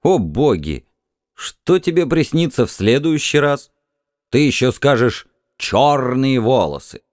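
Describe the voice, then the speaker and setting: A man's voice: mid-range voice, sing-song, a little slow, darkish tone, dry recording, clean studio sound. A man voicing an irritable, dismissive Martian husband in an audiobook, curt and scornful. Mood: irritated, scornful.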